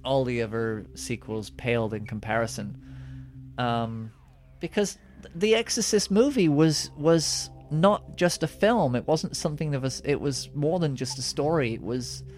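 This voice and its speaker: A man rambles through a casual podcast chat, doubling back on his words and padding them with ums and uhs. His pitch sits right in the middle of the male range, and his delivery stays relaxed and conversational. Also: moderate pace. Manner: rambling, many restarts and fillers. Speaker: podcast co-host.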